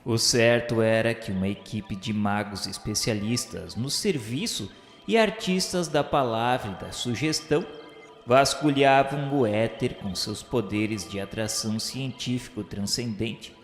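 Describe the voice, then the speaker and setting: Solemn Brazilian male narrator, cavernous reverb. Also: mid-range voice. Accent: Brazilian Portuguese. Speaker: narrator of a radio novel. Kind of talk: solemn dramatic scripted narration. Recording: very echoey hall reverb over music. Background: background music.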